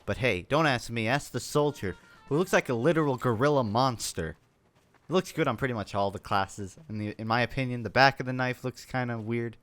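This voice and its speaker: A man's voice: medium pitch, brisk, fairly bright tone. A young man giving casual, rambling commentary over his game footage, full of sarcastic, self-mocking jokes. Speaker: gaming YouTuber.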